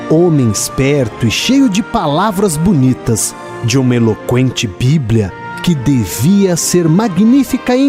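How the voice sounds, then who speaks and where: A Brazilian man narrating a literary radio drama in a measured, expressive storytelling manner. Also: a little high.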